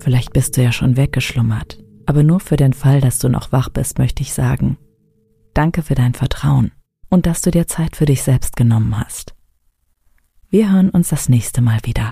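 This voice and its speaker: The tone is gentle and the pace moderate. Long, frequent pauses break up the speech. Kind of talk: guided meditation. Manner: long pauses between short gentle instructions.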